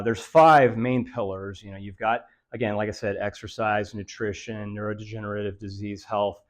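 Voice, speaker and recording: A man presenting a health lecture to seniors in a meeting room, his voice raspy and nasal and a bit dry from allergies, talking in a monotone with many fillers. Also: fairly low pitch. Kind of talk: live lecture to a senior audience.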